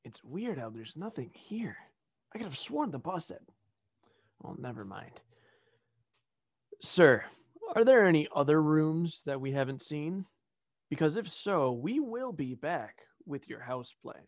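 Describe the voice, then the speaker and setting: A man's voice: fairly high pitch, sing-song, measured pace, pauses often, no echo, full character voice. A man playing an officious, probing federal agent in an amateur audio drama.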